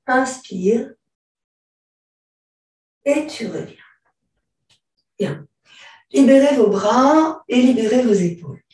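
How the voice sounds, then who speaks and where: A woman teaching a yoga and stretching class, giving slow, calm instructions and often clearing her throat. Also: a little high. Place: large room during an online class. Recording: very echoey room, far from the mic.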